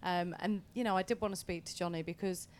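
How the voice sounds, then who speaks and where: Relaxed woman chatting, faint background noise. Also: on the low side, fast talker. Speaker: actress guest. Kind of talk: casual interview chat.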